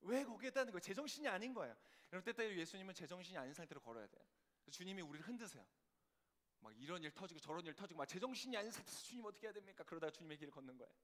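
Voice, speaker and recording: High-voiced male pastor preaching in a reverberant hall. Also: lively intonation, rapid-fire. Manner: rhetorical questions, sudden swings between soft and loud. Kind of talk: sermon.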